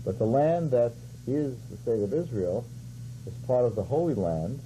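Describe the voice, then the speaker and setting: Man, interview guest, measured, searching for words, dark mellow tone, faint hum. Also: medium pitch, big pitch swings, poor audio. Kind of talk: explaining in an interview. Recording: 1980s cable TV studio tape, faint hum.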